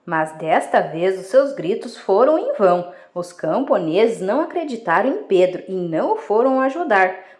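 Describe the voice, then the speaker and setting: A woman reading children's fables aloud as a storyteller, in an expressive storytelling manner. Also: medium pitch, echoey room.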